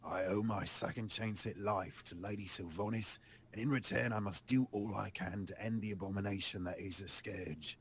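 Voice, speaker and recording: A man playing a solemn, loyal undead tailor in a tabletop game, speaking formally and haltingly. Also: lowish voice, fairly even intonation, close to an everyday voice. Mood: solemn resolve.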